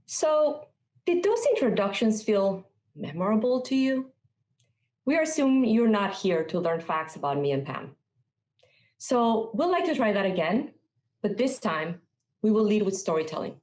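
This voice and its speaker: A woman from Peru delivers a prepared conference talk, measured and earnest as she tells her story. Her voice sits in a middle register, and the recording carries a noticeable roomy echo. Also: mid-range voice, very animated, a little mellow. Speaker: conference speaker.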